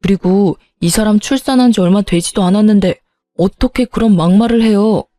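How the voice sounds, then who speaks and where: A woman's voice: medium pitch, a little fast, no echo, faint music behind, lightly acted. A woman voicing a hot-tempered young husband arguing with his parents in a narrated story. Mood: agitated. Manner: pleading then loud, insistent.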